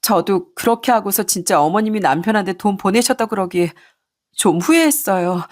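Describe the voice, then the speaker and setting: A woman's voice: medium pitch, animated, moderate pace, darkish tone, lightly acted. A woman voicing a contrite young wife who apologizes hesitantly. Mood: apologetic.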